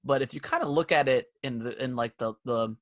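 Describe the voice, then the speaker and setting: Fairly quick and medium-pitched, a young man co-hosts a podcast at his home office desk setup with a camera, the sound studio-quality with no echo. He's stuffy from allergies and rambles casually with many fillers and restarts.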